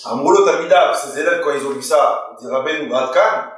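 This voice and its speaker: Brisk and fairly high-pitched, a male rabbi retells a story for listeners at his Torah class, speaking the characters' words and quizzing the room. The hall or study room echoes heavily, and he sits far from the microphone.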